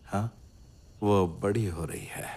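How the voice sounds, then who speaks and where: A man dubbing a mild, middle-aged father who tries to calm his family. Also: lowish voice, takes it slowly. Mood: wistful. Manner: mild and placating. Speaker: dubbing voice actor. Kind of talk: Hindi dub of a drama series.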